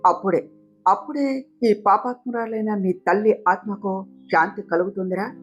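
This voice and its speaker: A woman's voice: medium pitch, normal speed, husky, close to an everyday voice. A woman playing a dying, remorseful mother. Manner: weak, tearful, remorseful. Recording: slightly dull recording, soft guitar music.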